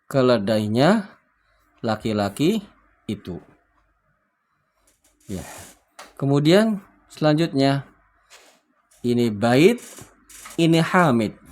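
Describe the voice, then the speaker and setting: A man gives an unhurried recorded lesson, moving through the material one word at a time. He spells, translates and quizzes his unseen viewers patiently, with plenty of pauses. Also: mid-range voice, sing-song. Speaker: Arabic teacher.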